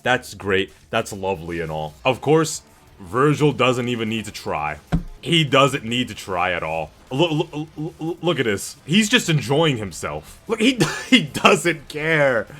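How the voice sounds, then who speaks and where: A man's voice: mid-range voice, a little slow. Casual, slangy male streamer over music. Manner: slangy, heavy swearing, excitable. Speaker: streamer reacting to game cutscenes. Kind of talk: casual reaction commentary to a chat audience. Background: background music.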